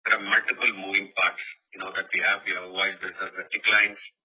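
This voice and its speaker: A man's voice: deep voice, flat delivery, fast talker, sharp tone. A man, a company executive answering analysts on an earnings call, with a hesitant manner and frequent "you know" asides. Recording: muffled, lo-fi conference call audio.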